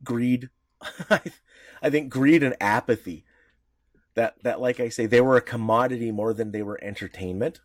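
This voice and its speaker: A man's voice: medium pitch, moderate pace, dry recording, studio quality. A man co-hosting a podcast in casual chat, talking loosely with restarts and the odd swear word. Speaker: podcast co-host.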